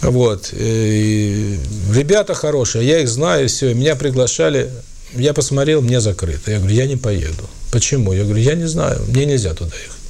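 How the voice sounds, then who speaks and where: A man's voice: mid-range voice, expressive, brisk, vocal fry, warm tone. A man giving a spiritual talk to an audience, speaking with frequent fillers and restarts. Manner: hesitant, many fillers and restarts. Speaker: spiritual lecturer and author. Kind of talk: lecture with audience questions.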